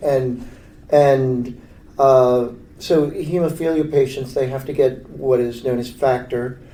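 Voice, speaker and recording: The voice has a dark, mellow tone and monotone, flat intonation at a very slow pace. Audible room echo can be heard. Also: man, medium pitch for a man. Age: 60s. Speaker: specialty pharmacy worker. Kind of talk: casual interview. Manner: hesitant, many fillers.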